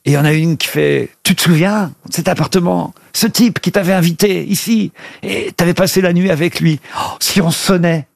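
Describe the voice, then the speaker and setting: A man hosting a radio show, telling a joke in an animated way and bantering with guests in the studio. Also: high-pitched, fairly quick, creaky, dry recording. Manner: animated storyteller, playful questions.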